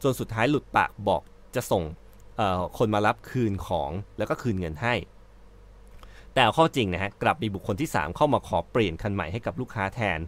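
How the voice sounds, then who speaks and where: A man's voice: lowish voice, a bit bright. A male host giving casual commentary on an article he reads out, chatty, with frequent fillers and self-corrections.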